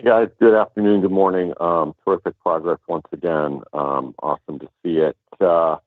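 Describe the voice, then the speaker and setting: Analyst guy calling in on a thin phone line, lowish voice, casual, lots of stop and start. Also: fairly even intonation, no echo. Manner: informal, halting. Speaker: financial analyst asking questions. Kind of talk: earnings call question. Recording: tinny, narrow phone line.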